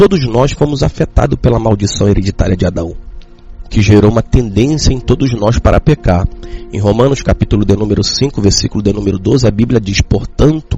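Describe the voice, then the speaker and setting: Music plays in the background as a man talks at a fairly quick pace. His voice sits fairly low in pitch with ordinary pitch variation. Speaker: church elder giving devotional. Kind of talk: sermon.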